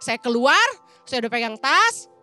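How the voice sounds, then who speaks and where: A woman's voice: high-pitched, sing-song, moderate pace, bright, forceful tone. A middle-aged woman pastor, preaching a chatty storytelling sermon and acting out voices. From Indonesia. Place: church auditorium.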